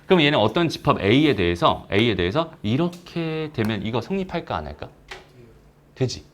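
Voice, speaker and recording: A man teaching math in a recorded lecture, chatting casually and asking questions that he answers himself. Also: medium pitch.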